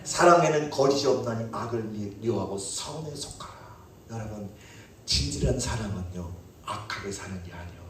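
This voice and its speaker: A man preaching a sermon as pastor, playful and animated, calling out questions to his congregation. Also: fairly low pitch, moderate pace, hardly any pauses, distant mic, a little hiss or hum. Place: church sanctuary. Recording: echoey church hall, mic from afar.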